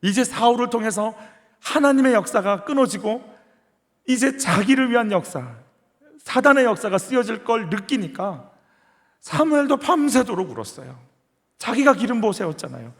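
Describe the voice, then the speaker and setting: A male pastor delivers an earnest sermon in a church sanctuary, pressing his listeners with rhetorical questions. His voice sits high for a man. Long reverb from the church hall trails every phrase. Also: animated, moderate pace. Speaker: senior pastor.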